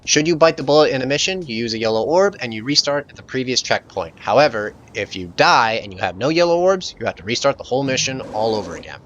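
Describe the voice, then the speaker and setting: Bright-voiced man doing game commentary. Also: mid-range voice, animated, fast talker, hardly any pauses, dull audio. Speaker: video game let's play host. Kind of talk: casual gameplay commentary.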